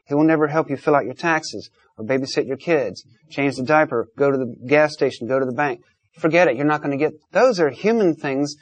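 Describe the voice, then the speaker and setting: A man's voice: fairly high pitch, no echo. Blunt male talk show host, dry sound. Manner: emphatic, didactic, blunt. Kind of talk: unscripted call-in debate.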